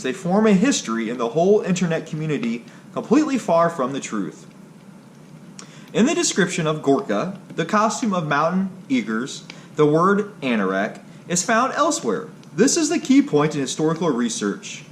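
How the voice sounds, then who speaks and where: Male history narrator, slightly high register, animated intonation, halting read, faint background noise. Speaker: video creator and narrator. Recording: clearly noisy background ambience.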